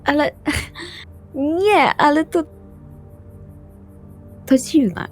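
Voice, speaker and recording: A woman's voice: high voice, extremely slow, darkish tone, faint music behind. A woman playing an anxious, literal-minded young female vampire in an improvised tabletop roleplay, speaking plainly and hesitantly. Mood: puzzled, worried.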